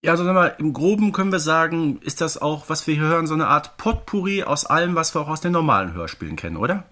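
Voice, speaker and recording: A man's voice: fairly high pitch, expressive, fast, sharp tone. A man with a German accent co-hosting a fan podcast, explaining things conversationally and checking for agreement. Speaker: podcast co-host.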